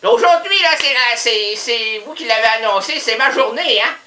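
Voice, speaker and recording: A man's voice: very high voice, lively intonation, moderate pace, echoey room, full character voice. A man voicing a rambling, scatterbrained older housewife with a Quebec French accent in a radio comedy sketch. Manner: rambling, scatterbrained, prone to sudden shouts. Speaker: comic character caller.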